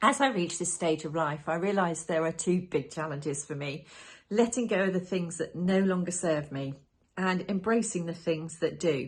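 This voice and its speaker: Somewhat breathy and fairly low, a woman's voice in a Cornish accent moves at a moderate pace with ordinary pitch variation. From Cornwall, England. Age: 60s. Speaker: knitting vlogger and yarn business owner. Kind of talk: casual talk to camera.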